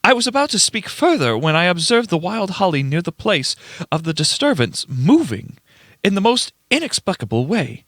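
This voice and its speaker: A man's voice: high-pitched, very animated, moderate pace, a bit bright, no echo, clean studio sound, heavily acted. A man playing an earnest, unnerved young writer giving testimony in a radio play, in formal old-fashioned language with stumbles over words. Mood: uneasy, awed. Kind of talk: dramatic radio play reading.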